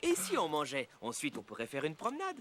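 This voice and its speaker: An actor playing a patient, kindly father in a children's cartoon, with a gentle, explanatory way of talking. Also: mid-range voice, huge pitch swings, a little fast, over loud music. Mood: cheerful. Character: patient, kindly young father of a small boy.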